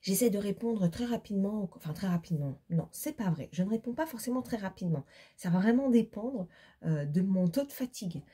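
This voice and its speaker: Tired, husky-voiced woman vlogger. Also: mid-range voice, expressive, a little fast, mellow. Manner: rambling, many fillers and self-corrections. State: tired, recovering from laryngitis, still congested. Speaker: knitting vlogger. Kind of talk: casual chat to camera.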